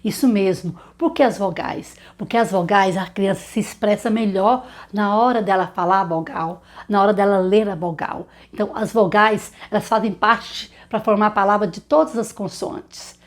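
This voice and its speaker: Woman teaching literacy, lively singsong. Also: medium pitch, normal speed, hardly any pauses. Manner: animated, models phonics to children in a singsong voice.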